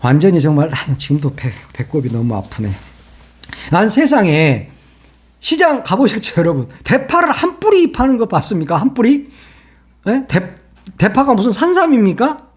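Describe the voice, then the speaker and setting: A man's voice: high-pitched, sing-song, normal speed, slightly rough. A man hosting his own political commentary channel, talking casually in a mocking, sarcastic way and laughing at his own jokes.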